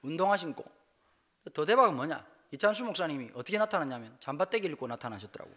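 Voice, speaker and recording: A man with a Busan-area Gyeongsang accent preaches at a church revival, spinning comic personal stories. His voice sits high and bright, and he swings his pitch widely as he jokes and acts out bits of dialogue. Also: quick pace. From Busan, South Korea. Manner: lively, jokey, acts out dialogue in dialect. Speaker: guest pastor preaching a revival service. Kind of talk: humorous storytelling sermon. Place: church sanctuary.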